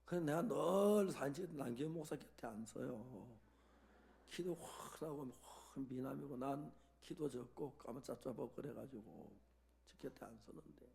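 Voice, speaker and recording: A man's voice: on the high side, vocal fry, dark tone. A man preaching a sermon as a pastor, telling a story and acting out the dialogue in it.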